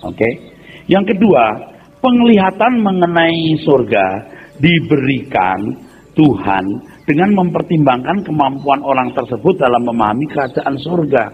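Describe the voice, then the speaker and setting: A man pastor, preaching an informal sermon in a blunt, animated, mocking way with plenty of street slang. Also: mid-range voice, measured pace. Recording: tinny phone-like sound, faint noise.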